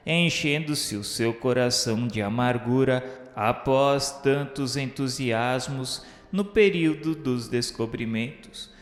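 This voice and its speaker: Solemn male narrator in long reverb. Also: mid-range voice. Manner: solemn, literary. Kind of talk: scripted radio drama narration. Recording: echoey reverberant production, music bed. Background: music.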